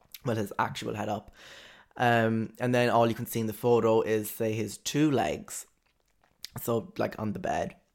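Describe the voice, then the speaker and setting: In an Irish accent, a man talks at a medium pitch. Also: ordinary pitch variation, moderate pace. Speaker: podcast host. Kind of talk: casual solo chat. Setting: home basement recording. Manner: halting, many repetitions and fillers.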